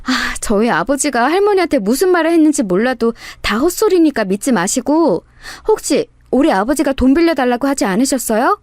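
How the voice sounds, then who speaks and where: A woman voicing a bold, scheming sister-in-law who scolds in a loud, theatrical way. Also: high voice, animated, fairly quick, few pauses, no room sound, studio quality. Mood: scolding.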